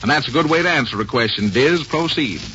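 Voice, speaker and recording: A man's voice: medium pitch, lively intonation, fast talker, bright, forceful tone, lo-fi sound, a little hiss or hum. A man speaking as a 1940s old-time radio announcer and co-host, with polished, formal phrasing, on a vintage broadcast.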